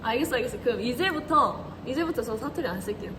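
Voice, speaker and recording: Talking fast with lively intonation, the livestream host, a young idol in her twenties, has a slightly high voice and a slight Korean regional dialect. She giggles often and chats casually while answering comments, with background noise audible.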